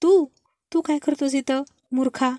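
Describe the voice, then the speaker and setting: Woman doing a young husband, hot-tempered, scolding, high mellow voice. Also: fairly even intonation, measured pace, no room sound. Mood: angry. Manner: scolding, shouting.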